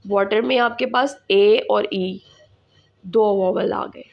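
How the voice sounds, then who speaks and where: A woman teacher, explaining an English lesson slowly and repeating words for her students. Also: mid-range voice, steady tone, vocal fry, muffled recording. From Pakistan.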